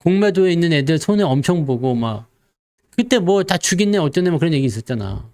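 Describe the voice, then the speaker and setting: A man's voice: fairly high pitch, very animated, a little fast, a little mellow. A man giving casual, joking stock market commentary and acting out investors' voices. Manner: playful, acts out investors' voices, jokes with viewers.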